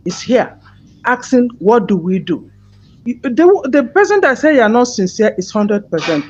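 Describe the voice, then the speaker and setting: A woman hosting a heated call-in show, hectoring and repeating her questions. Her pitch swings widely as she presses the point. The sound is dull and lo-fi, with faint noise behind her. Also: a little mellow.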